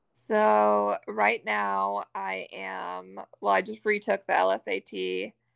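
A woman with an American accent at a very slow pace, hardly any pauses, dry and close with no echo over a quiet background. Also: big swings in loudness. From Maine, US. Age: 20s. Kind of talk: interview testimony.

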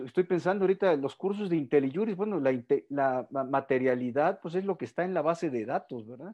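A man speaks in a normal speaking voice at a fairly high pitch. His pace is fairly quick and his intonation lively. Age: 60s. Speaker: lawyer and webinar host. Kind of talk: online interview.

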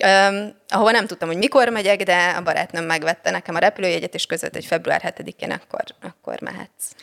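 A woman's plain, everyday voice at medium pitch, fairly quick with hardly any pauses, ordinary pitch variation and big swings in loudness, in a dry, close sound with no echo. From Budapest, Hungary. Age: 30s. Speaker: beautician and HR consultant. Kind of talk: casual chat.

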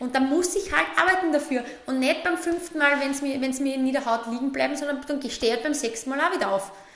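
A woman with a slight Burgenland accent talks very fast at a high pitch with ordinary pitch variation, in a room with audible echo. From Burgenland, Austria. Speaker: real estate entrepreneur. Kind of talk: interview.

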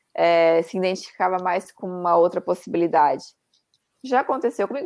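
A woman speaks in a normal speaking voice with ordinary pitch variation. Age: 40s. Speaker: podcast co-host. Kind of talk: casual chat.

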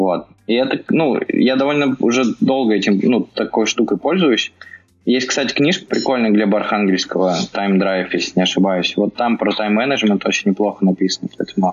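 At a moderate pace, a man of medium pitch speaks with ordinary pitch variation and very even loudness. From western Russia, Bryansk. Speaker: startup founder and CEO. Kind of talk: podcast interview. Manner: halting, many fillers.

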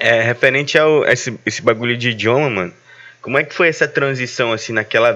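A man speaks at a medium pitch with a bright, sharp tone. His pace is fairly quick. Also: ordinary pitch variation. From Manaus, Amazonas, Brazil. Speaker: podcast co-host. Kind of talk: casual chat.

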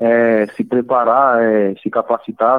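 A man at medium pitch. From Brazil, Pernambuco sertão. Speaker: caller. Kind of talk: phone-in call. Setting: phone call.

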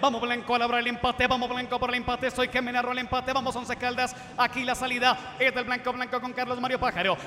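Over noticeable background noise, a man speaks very fast in a raised, projected voice at an extremely high pitch. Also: hardly any pauses. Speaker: football play-by-play announcer. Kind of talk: live commentary. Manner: animated.

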